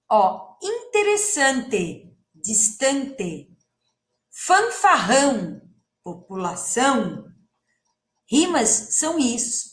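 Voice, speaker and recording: A woman's voice: sits high, a bit bright, echoey room. A woman teacher with a Brazilian Portuguese accent, giving a recorded lesson to young children, stretching out words and asking the class questions. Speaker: primary school teacher.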